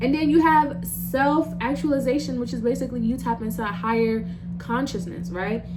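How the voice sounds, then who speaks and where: Through audible room echo and noticeable background noise, a woman speaks in an animated tone. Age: 20s. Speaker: lifestyle and self-growth vlogger. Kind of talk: casual vlog talk to camera. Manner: fast.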